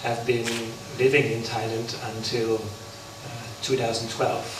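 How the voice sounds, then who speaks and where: A man from the Netherlands, a Buddhist monk, giving an unprepared talk at an interfaith forum, halting with many pauses. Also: mid-range voice, flat delivery. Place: large hall. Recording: echoey hall from far off, background noise.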